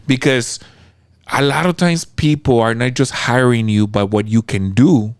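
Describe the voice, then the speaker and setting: A man hosts a relaxed interview, speaking in an emphatic, motivational way. His voice is smooth and clear, recorded close and dry with no room sound. He sometimes acts out little scenes playfully. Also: medium pitch, a little slow, no room sound. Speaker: podcast host. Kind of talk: casual interview chat.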